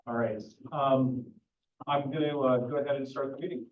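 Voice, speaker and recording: A man acting as mayor, opening a public council meeting. He talks slowly and projects his voice without yelling, with no microphone in a meeting room. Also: mid-range voice, steady tone. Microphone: no microphone, picked up from a distance. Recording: echoey, distant, dull sound.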